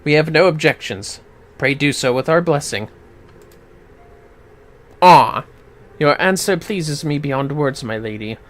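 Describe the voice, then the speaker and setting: A man's voice: on the high side, expressive, unhurried, long pauses. A man voicing a courtly, gracious fantasy noble from a video game, in theatrical, formal, archaic phrasing. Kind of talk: amateur voice acting of game dialogue.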